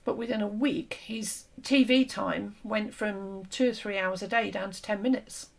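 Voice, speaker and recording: A woman hosting an interview and talking through an idea in an earnest, explanatory way, her voice fading and a little hoarse. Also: mid-range voice, steady tone, normal speed. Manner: earnest, explanatory, with frequent fillers and restarts. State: losing her voice. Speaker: host. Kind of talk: conversational discussion.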